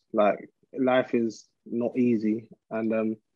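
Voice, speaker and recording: A man in a London accent, with monotone, flat intonation. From London, England. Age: 30s. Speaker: professional footballer. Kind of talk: casual interview chat.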